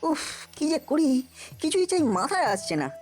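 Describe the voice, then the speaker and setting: A woman voicing a clever, excitable ten-year-old boy with an eager, plotting manner in a children's cartoon. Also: sits high, soft background music. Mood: puzzled, restless. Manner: eager, exclamatory, quick to plot. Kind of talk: animated children's cartoon acting.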